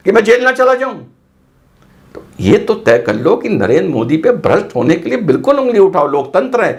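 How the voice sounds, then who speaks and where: A high-voiced man delivers heated, combative political commentary, firing off rhetorical questions and rapid lists.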